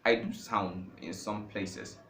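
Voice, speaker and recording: Nigerian man teaching, bright and emphatic. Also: on the low side, steady tone, slow pace. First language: Igbo. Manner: emphatic, repeats phrases for stress, builds to impassioned peaks. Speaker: language teacher. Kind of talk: informal language-learning talk. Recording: echoey room with faint background noise.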